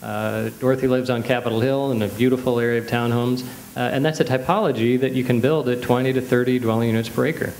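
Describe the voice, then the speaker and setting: A man's voice: medium pitch, fairly even intonation, fast talker, a little mellow, a little hiss or hum, poor audio. A man on a discussion panel explaining planning ideas in a lecturing way.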